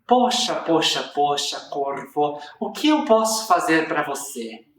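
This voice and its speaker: A wise, patient mage who gently talks a sad bird around as a Brazilian storyteller voices him. He speaks slowly, and the voice echoes in a room away from the mic. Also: mid-range voice, sing-song, slight background noise. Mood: reassuring. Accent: Brazilian Portuguese. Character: kind wise old mage who gives advice. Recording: roomy echo, distant mic.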